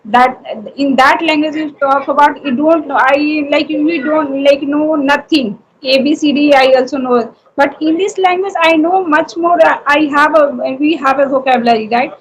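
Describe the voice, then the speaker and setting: A Hindi-speaking woman with an Indian accent, chatting in English in halting sentences full of fillers and restarts. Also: sits high, steady tone, low-quality recording. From Uttar Pradesh, India. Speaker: homemaker and YouTuber practising English. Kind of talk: casual conversation practice.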